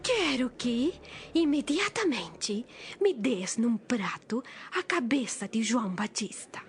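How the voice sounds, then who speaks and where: Young biblical princess, actress, high and deliberate, coldly demanding, faint music behind. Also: female voice, animated. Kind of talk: dramatized audio Bible acting.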